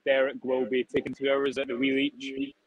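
A man's voice: mid-range voice, flat delivery, moderate pace, breathy edge, no room sound, highs cut off. A man in his twenties, a reporter at the stadium on a video call, reflecting on the match in a thoughtful, rambling way. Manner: thoughtful, rambling, many restarts. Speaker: football reporter, guest. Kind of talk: live reaction analysis.

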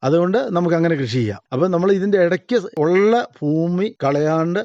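A man's voice: fairly high pitch, animated, brisk, a little mellow, no echo, lo-fi sound. An Idukki-accented Malayali cardamom farmer explaining his crops in a radio interview, practical and plain. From Kerala. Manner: practical, explanatory, with small restarts.

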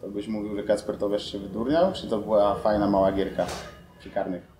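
A man with a slightly low voice hosts a relaxed sit-down interview, tossing out teasing questions. Faint ambience hums in the lounge behind him. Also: fairly quick, a little hiss or hum. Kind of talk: casual sports interview. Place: lounge in a large building.

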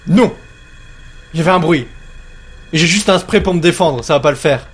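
A man commentating a horror game as he plays it, jokey and excitable, talking to himself. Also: on the high side, moderate pace, a little hiss or hum. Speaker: let's play host.

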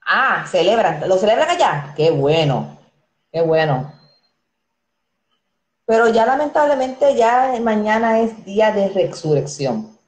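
A Dominican woman in her thirties, with a Dominican Spanish accent, reads viewers' comments and names on a casual live stream, chatty, friendly and laughing often. Her medium-pitched voice is sing-song and slow. She's using an earphone headset mic in a small indoor room that echoes.

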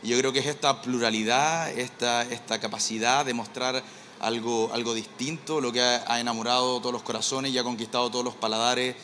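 A man's voice: mid-range voice, fairly even intonation, a little fast, sharp tone, slight background noise. A man in his thirties with a Chilean accent, answering questions on stage in a large fair hall through a handheld mic, hesitant and full of fillers. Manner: hesitant, repeats words, many fillers. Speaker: winemaker guest. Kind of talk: live stage interview. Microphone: handheld microphone.

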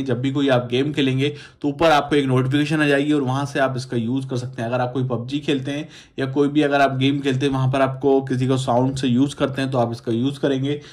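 A man, presenting a casual phone tutorial in a repetitive, instructional way, addressing viewers as friends. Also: mid-range voice. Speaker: tech YouTuber.

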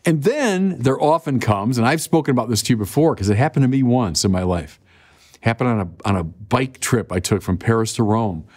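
An older man in his sixties preaching a sermon in a conversational, animated way, often appealing to listeners directly, recorded with a lapel mic in a dim studio. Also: mid-range voice, a little fast. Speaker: bishop.

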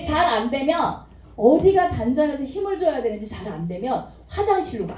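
A woman's voice: high-pitched, a little fast. A woman teaching a singing class, joking with her students and singing short phrases to show them how. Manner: lively, joking, sings phrases to demonstrate. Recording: roomy hall with backing music.

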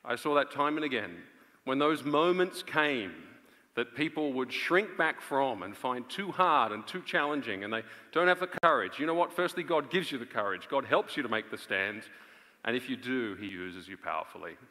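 A man in his thirties preaching an earnest, emphatic live sermon with dramatic pauses on a large auditorium stage. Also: mid-range voice, lively intonation, pushed and bright. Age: 30s. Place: on stage in a large theatre before an audience. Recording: reverberant large auditorium sound.

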